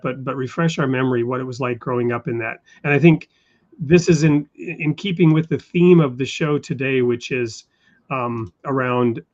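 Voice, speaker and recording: A man hosting an interview show, asking questions in a measured, thoughtful way with frequent fillers. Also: mid-range voice, lo-fi sound. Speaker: show host. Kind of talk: interview conversation.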